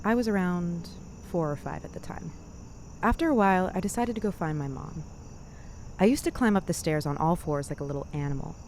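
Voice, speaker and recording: A woman hosting a scary story show, narrating a scripted bedtime tale in a measured, deliberate way with dramatic pauses. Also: fairly low pitch, darkish tone, slight background noise. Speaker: host of a spooky story podcast.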